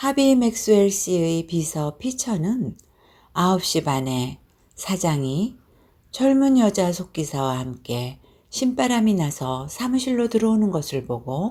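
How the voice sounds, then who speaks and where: A woman speaks at a medium pitch with very wide pitch swings. Her pace is very slow. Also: very clean recording, silent background. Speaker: audiobook reader. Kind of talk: audiobook reading of short stories. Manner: bright, lively.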